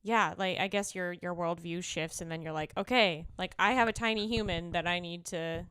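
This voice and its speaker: Chatty young woman with a smooth voice. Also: on the low side, fairly even intonation, normal speed, a bit bright, no room sound, clean studio sound. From United States. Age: 20s. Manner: chatty, many fillers, laughs often. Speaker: podcast co-host. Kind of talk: casual chat.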